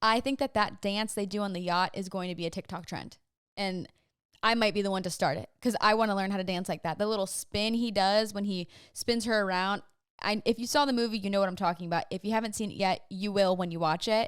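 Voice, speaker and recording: This woman talks at a very fast pace in an animated tone, her pitch sitting in the medium range. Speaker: podcast host. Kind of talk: casual solo podcast chat.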